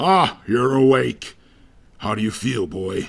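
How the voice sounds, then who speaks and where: Putting on a booming character voice at medium pitch, a man speaks at a fairly slow pace. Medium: read story. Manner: warm, folksy, hearty.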